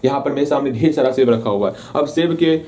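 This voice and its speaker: A man's voice: mid-range voice, a little fast, warm tone. A man teaching a casual revision lesson, playfully repeating key terms and asking and answering his own questions. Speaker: science teacher.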